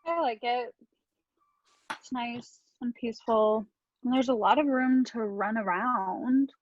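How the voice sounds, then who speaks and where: Woman playing a high-voiced reasonable girl, dull recording. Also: takes it slowly, no room sound. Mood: curious. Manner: placating, matter-of-fact. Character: easygoing, pragmatic girl, the club's voice of reason. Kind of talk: comedy sketch staged reading.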